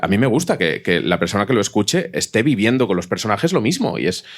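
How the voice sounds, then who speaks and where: A man's voice: fairly low pitch, very animated, quick pace. A man with a Spanish accent from Spain talks casually and colloquially in a panel discussion, explaining things vividly with some mild swearing. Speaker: audio fiction writer, panelist.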